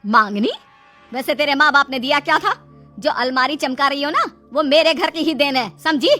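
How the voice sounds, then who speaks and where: A woman playing a sharp-tongued, scolding mother-in-law in a family skit. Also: sits high, normal speed, faint music behind. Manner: taunting, scolding.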